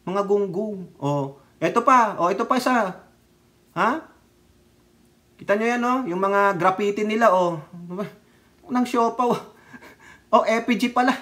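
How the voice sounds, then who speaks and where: Sarcastic Filipino man ranting, high voice. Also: measured pace, long pauses, fairly bright tone. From Philippines. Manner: sarcastic, mocking, scolding; switches between Tagalog and English. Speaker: political vlogger. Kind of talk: ranting commentary on news.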